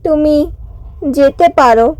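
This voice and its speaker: A woman's voice: high-pitched, takes it slowly, a little mellow, no echo. A woman voicing an anxious, doting queen mother in a cartoon fairy tale, dramatic and emphatic. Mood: worried, reluctant.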